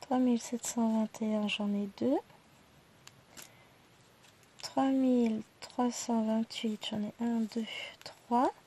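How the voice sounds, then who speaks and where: A woman with a stuffy nose, casually counting her thread skeins aloud in slow, quiet numbers and chatting in asides. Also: a little high, fairly even intonation, slight background noise. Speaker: cross-stitch YouTuber.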